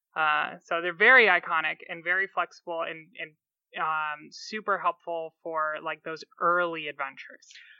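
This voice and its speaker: A woman with a plain, everyday voice talks at a moderate pace, her fairly low pitch held in a fairly even intonation while her loudness swings widely. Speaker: co-host and sound editor. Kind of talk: casual chat. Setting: live stage with audience.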